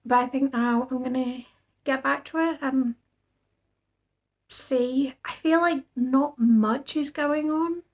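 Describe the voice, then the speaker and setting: A woman's voice: high-pitched, fairly even intonation, slow pace. A tired woman book vlogger chatting casually after reading all night, rambling and thinking aloud. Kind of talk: casual vlog chat.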